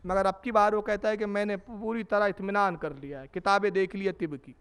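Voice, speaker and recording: A preacher doing a poor little boy who begs humbly for help. His voice sits high and clear as he pleads. This is storytelling inside a sermon. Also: steady tone, fairly quick, fairly bright tone. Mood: pleading.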